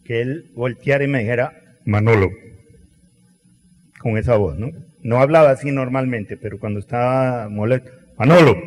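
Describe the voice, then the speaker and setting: A middle-aged man preaching a sermon, telling stories with acted quotes and dramatic pauses. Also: mid-range voice. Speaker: pastor. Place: large church hall. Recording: long church hall reverb.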